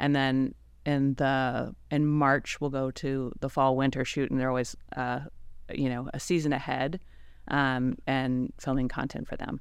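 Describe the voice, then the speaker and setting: A woman with an American accent speaks in a very deep, low voice. Her delivery is fairly slow, with monotone, flat intonation. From Ohio, US. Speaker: video production company co-owner. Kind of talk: interview. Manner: confident.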